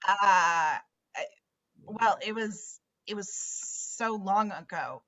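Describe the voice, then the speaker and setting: An actress playing a nervous, earnest, shaken teenage girl who stammers haltingly in a horror comedy script read. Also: medium pitch, a bit bright. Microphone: video call. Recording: dull lo-fi video call audio.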